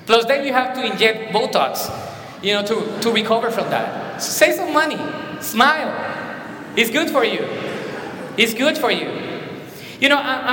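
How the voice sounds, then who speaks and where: A man with a Colombian accent preaching a sermon in an animated way, with emphatic repetitions. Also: very high voice, a little hiss or hum. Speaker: pastor. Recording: echoey hall with long reverb.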